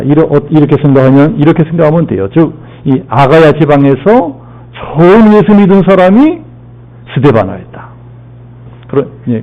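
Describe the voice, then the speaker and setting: Man, pastor, sermon, fairly high voice, repeats key phrases, rhetorical questions, dull lo-fi church recording. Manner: repeats key phrases, asks and answers his own questions; leads congregation in call-and-response and Bible lookup. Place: church sanctuary.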